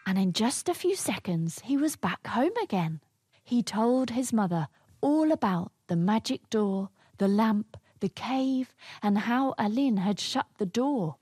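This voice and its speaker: A woman narrating a children's story in English with a clear, teacherly manner. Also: a little high, lively intonation, a little slow, dark tone, dry recording.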